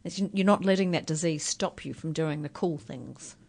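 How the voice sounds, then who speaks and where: A woman's voice: sits low, normal speed, darkish tone, breathy edge. A woman hosts a radio interview. She asks her questions thoughtfully and reshapes them as she talks, feeling her way toward the point. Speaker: radio show host.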